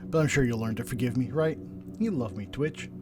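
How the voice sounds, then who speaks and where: This young streamer speaks a little fast in a mid-range, slightly congested voice, musing to himself and joking dryly with his chat. Game music and some background noise sit beneath his casual commentary.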